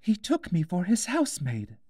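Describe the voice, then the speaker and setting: Storybook little girl, played by a man: high, lilting, earnest and wistful, politely spoken. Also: wildly swooping pitch, moderate pace, mellow, slightly rough, no echo, studio quality, heavily acted. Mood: surprised.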